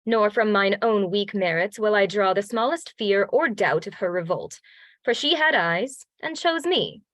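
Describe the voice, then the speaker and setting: A woman's voice: mid-range voice, animated, measured pace, fairly bright tone, no room sound. A woman reading the part of a proud middle-aged male general gnawed by jealousy, in earnest Shakespearean verse. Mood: resolute. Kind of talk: Shakespeare read-along.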